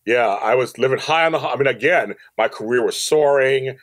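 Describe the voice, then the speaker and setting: A middle-aged man, a podcast guest, telling personal stories in an expressive, playful, talkative way. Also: medium pitch, a little fast, no room sound, studio quality. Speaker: podcast guest, media company CEO. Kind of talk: animated personal storytelling.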